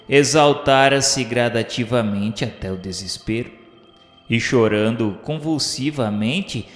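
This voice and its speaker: A man reading scripted narration for a radio novela in a solemn, literary, dramatic manner. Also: medium pitch. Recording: echoey, long reverb, music behind. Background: music.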